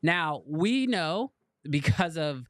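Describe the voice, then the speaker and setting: A man hosting a podcast, chatting casually and quickly, often rephrasing his questions. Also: a little high, big pitch swings, a bit bright, no room sound, clean studio sound. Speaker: podcast host.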